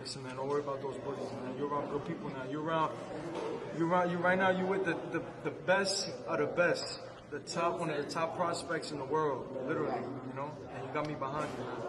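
A man talks at a very fast pace. Loud background noise runs behind him. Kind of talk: casual encouraging chat. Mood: warm, encouraging. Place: gym.

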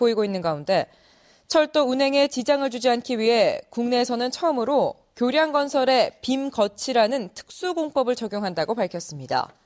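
A woman speaks at a fairly slow pace in a high voice with ordinary pitch variation. The recording is very clean and dry, close-miked with a silent background and no echo. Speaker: news anchor. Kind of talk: news reading.

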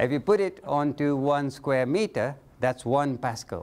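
Lively intonation from a man at a moderate pace. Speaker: visiting professor lecturer. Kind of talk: lecture. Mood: good-humoured, explanatory. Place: classroom.

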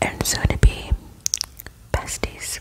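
A soft-spoken woman whispers. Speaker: ASMR creator. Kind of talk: soft ASMR whisper talk. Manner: soft intimate whisper.

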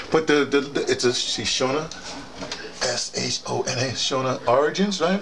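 Noticeable background noise sits behind a man with an American accent. He talks at a moderate pace, his fairly high pitch showing ordinary variation. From United States. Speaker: vlogger and commentator. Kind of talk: casual video monologue. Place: home room. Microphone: camera far.

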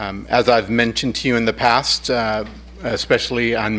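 The man speaks at a moderate pace. His tone is bright and sharp. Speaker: city planning staff. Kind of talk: project presentation at public meeting. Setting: council chambers meeting. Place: hall.

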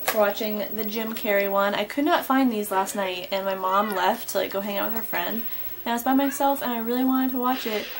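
Noticeable background noise sits behind a woman talking. She speaks very fast with ordinary pitch variation. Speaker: vlogger mother. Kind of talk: casual vlog chat. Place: home room.

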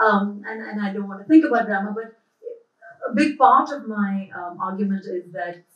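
A woman's medium-pitched voice at a moderate pace, with ordinary pitch variation and audible room echo. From India. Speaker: author and academic; author on a panel. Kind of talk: reading aloud; panel discussion and reading aloud. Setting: stage with audience. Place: hall.

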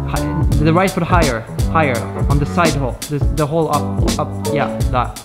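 A man is speaking. Clear music can be heard in the background. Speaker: climbing coach. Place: gym.

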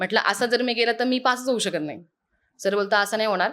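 The recording is very clean, with a silent background. A woman talks in an ordinary speaking voice. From Karjat, Raigad, Maharashtra. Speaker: successful exam candidate. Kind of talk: motivational talk to students.

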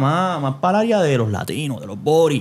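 A man with a Puerto Rican accent. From Puerto Rico. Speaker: comedian and podcast host; comedian, podcast host. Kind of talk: casual chat. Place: studio. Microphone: studio mic.

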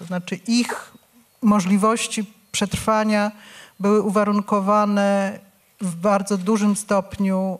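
Her medium-pitched voice is somewhat breathy, and the woman keeps her intonation flat and monotone. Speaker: professor. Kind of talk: panel discussion. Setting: stage with audience. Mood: calm, measured. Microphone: handheld.

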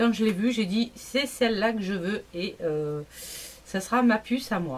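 Ordinary pitch variation marks a woman's somewhat breathy voice. She speaks at a fairly slow pace. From France. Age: 20s. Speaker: YouTuber; vlogger. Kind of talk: casual vlog chat. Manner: hesitant, many fillers. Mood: relaxed, reminiscing. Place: home room. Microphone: camera far.

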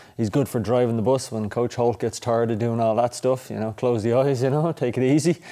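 A man's dark, mellow tone with fairly even intonation over a quiet background. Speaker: college track and cross country coach. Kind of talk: interview. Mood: relaxed, friendly. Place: studio.

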